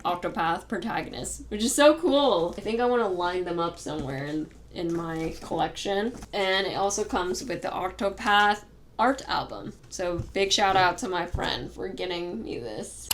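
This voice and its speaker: A young woman vlogging casually to camera, soft-spoken and chatty, her voice worn and fading from talking all day. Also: lowish voice, lively intonation, normal speed, a little hiss or hum. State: tired, fading voice. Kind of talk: casual vlog talk.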